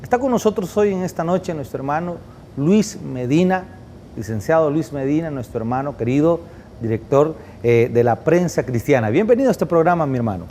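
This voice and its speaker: A man's voice: on the high side, lively intonation, brisk, warm tone, a little hiss or hum. A man hosting a Christian television program, speaking with a fervent, repetitive preacher cadence.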